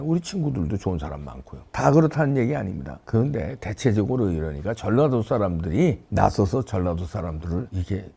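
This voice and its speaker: A middle-aged man delivers political commentary on his own show with a gravelly, husky voice. He scolds and jabs as he goes, and his pitch leaps up and drops low again and again. He sounds lively and indignant throughout. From South Korea. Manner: animated, scolding, wide pitch swings.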